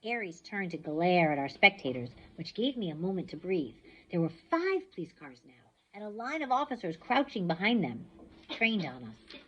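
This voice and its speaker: Expressive husky woman reading a story. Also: lowish voice, moderate pace, highs cut off. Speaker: reader. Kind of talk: reading a novel aloud.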